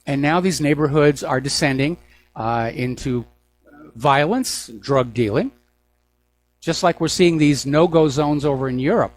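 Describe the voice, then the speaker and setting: An older American man hosting a political news talk show, speaking in an opinionated monologue with deliberate, pause-broken phrasing. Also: on the high side. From United States.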